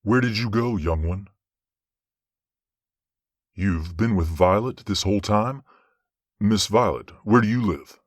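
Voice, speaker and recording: A man playing a stern but fair archangel judge in a fantasy audio drama, with formal, measured authority. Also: on the low side, no room sound, clean studio sound. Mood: measured, probing. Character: stern, fair male archangel presiding over a trial.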